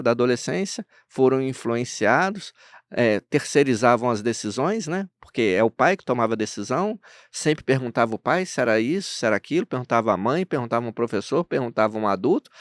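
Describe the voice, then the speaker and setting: A man's voice: medium pitch, no room sound, clean studio sound. A Brazilian man hosting a podcast interview as a therapist, explaining things at length and often checking in with tag questions. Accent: Brazilian Portuguese. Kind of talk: conversational interview.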